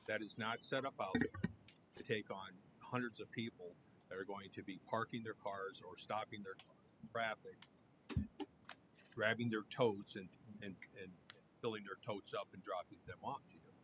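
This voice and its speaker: Brief: blunt male official, fairly low voice, meeting room rumble. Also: fairly even intonation, moderate pace. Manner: skeptical, blunt. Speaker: county commissioner. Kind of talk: official questioning at a public meeting. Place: county board meeting chamber.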